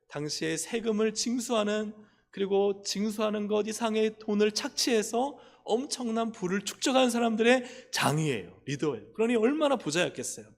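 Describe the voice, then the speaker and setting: A male pastor giving an animated children's Sunday sermon for all ages, asking the congregation questions and leading them in reading together. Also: high voice. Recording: reverberant church hall.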